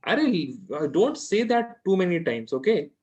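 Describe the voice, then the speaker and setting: Casting: male chemistry teacher, South Asian accent, slightly raised pitch, informal one-to-one tutoring, repeats himself and checks in often. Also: big pitch swings, normal speed, a little mellow, husky, highs cut off. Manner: repeats phrases, checks understanding with questions.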